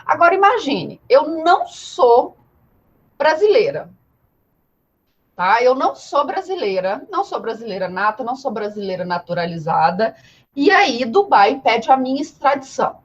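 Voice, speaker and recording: A woman's voice: high voice, very animated, moderate pace, slightly rough, muffled recording. A woman with a Brazilian Portuguese accent giving an informal live law lecture, explaining didactically with rhetorical questions and repetition. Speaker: law teacher.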